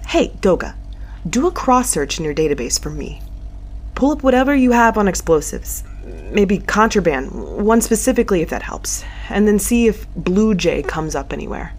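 An actress playing a wry, restless space mail courier in an audio drama, muttering and sardonic with a conversational delivery. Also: female voice, mid-range voice, sing-song, normal speed, slight background noise. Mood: worried, puzzled. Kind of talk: audio drama acting with first-person narration.

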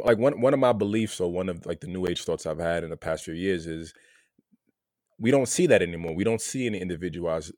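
A Haitian American man talking through his thoughts in a relaxed conversation, often repeating words as he searches for them. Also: sits low, no room sound, clean studio sound. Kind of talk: casual conversation.

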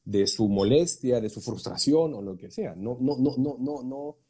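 Co-host guy, husky and warm, talks things through thoughtfully. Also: mid-range voice, animated, a little slow. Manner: reflective, explaining with examples, frequent tag questions. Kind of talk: casual conversation on emotions.

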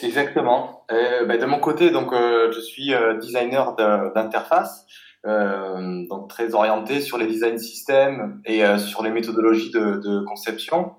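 A man with a Provençal accent, a guest designer talking casually in an interview, halting with many fillers and restarts. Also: medium pitch, fairly even intonation. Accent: Provençal French. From Aix-Marseille area, France. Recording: echoey room.

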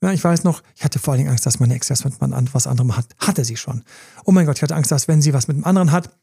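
Animated, mellow-voiced male podcast coach. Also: medium pitch, rapid-fire, gravelly, husky. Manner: animated storytelling, acting out inner voices. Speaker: relationship coach and podcast host. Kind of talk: casual podcast talk.

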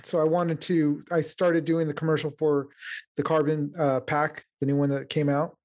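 A man's voice: fairly high pitch, moderate pace. Podcast host, man, Mexican accent, loose and joking, casual chat delivery. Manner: relaxed, joking, loose trailing phrasing.

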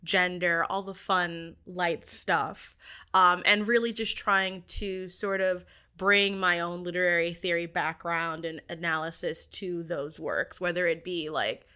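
Female interview guest, bright crisp-edged tone, casual but articulate, analytical conversational commentary. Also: lowish voice, steady tone, unhurried.

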